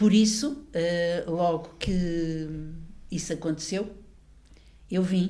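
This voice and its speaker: With audible room echo, a woman speaks very slowly with long, frequent pauses, in a fairly low, dark, mellow voice with ordinary pitch variation. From Portugal, Lisbon area. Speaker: hospice volunteer and retired nursing teacher. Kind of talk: interview conversation.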